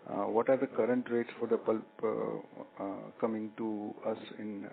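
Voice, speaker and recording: Analyst caller, male, creaky mid-range voice. Polite, halting, heard over a telephone line. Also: lowish voice, little pitch movement. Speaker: analyst asking questions. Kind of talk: earnings call questions. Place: conference call by phone. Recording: narrow phone line with faint hum.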